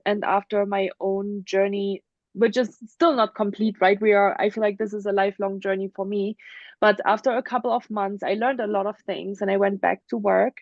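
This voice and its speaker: A woman's voice: medium pitch, a little mellow, no echo. German-accented woman, dull dry call audio. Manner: open, earnest, frequent ums. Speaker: interview guest. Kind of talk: casual interview, personal story. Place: home in the mountains.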